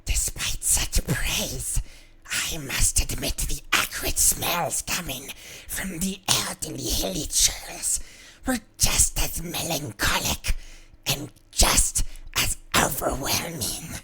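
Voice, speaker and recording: A man voicing a creepy, hissing, Gollum-like male creature with a raspy, whispery voice. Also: fairly high pitch, pushed and bright, pitched above the performer's own voice, exaggerated voice. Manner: slow, drawn-out, breathy hissing. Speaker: streamer.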